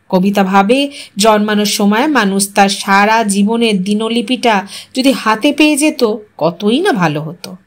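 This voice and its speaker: A woman reading a scripted story as narrator, in an expressive, reflective way. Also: on the high side.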